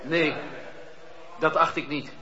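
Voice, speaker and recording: An actor playing a plain-spoken, firm religious dissenter answering as a defendant in a radio drama. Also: male voice, on the high side, fairly even intonation, takes it slowly, a crowd in the background. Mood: firm, measured. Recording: dull lo-fi radio recording.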